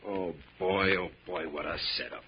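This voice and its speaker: An actor playing a tough, domineering gangster boss in an old radio crime drama, speaking gruffly in commands and slang. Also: male voice, low voice, steady tone, moderate pace, natural voice. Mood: businesslike, sly. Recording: noisy, muffled old radio recording.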